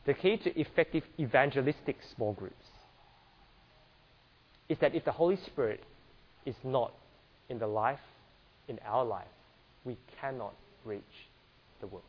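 A man from Singapore giving an earnest church talk about slides, restarting often and filling pauses with "uh". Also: mid-range voice, husky, dull audio. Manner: earnest, many restarts and fillers. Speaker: church speaker.

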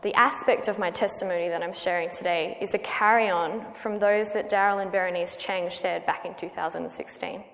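An Australian woman in her thirties, praying and then giving her personal testimony as a guest speaker in a church, earnest and measured. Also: lowish voice, fairly even intonation, gravelly, a bit bright. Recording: long hall reverb.

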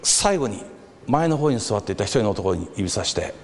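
Animated male preacher in a hall. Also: on the low side, moderate pace. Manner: animated storyteller acting out crowd voices. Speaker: pastor. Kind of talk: sermon with storytelling. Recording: reverberant hall with faint background noise.

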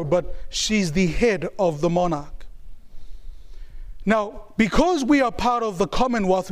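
High-voiced preacher from New Zealand. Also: male voice. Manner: call-and-response, asking the congregation to answer; emphatic, repeats key phrases. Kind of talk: sermon.

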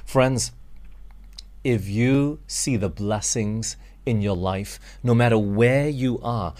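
A man's voice: mid-range voice, a little mellow. A Malaysian man preaching a sermon, earnest and direct, calling his listeners friends and asking them rhetorical questions.

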